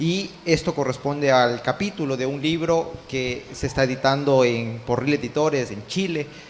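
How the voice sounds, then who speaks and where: Noticeable background noise and audible room echo around a man's medium-pitched speech with ordinary pitch variation. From coastal Ecuador. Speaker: sociologist and professor. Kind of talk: conference talk. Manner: fast.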